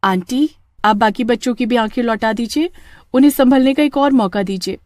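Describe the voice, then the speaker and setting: A woman voicing a kind young village girl in an animated story, earnest and gently persuasive. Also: fairly high pitch, moderate pace, dry recording, studio quality, voice pushed up, lightly acted. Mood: pleading.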